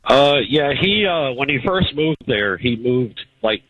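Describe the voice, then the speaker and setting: A man calling in to a radio show, telling a story in a casual, halting way with many fillers. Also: mid-range voice, animated. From Chicago. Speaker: caller. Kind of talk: phone-in call. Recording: dull lo-fi phone line.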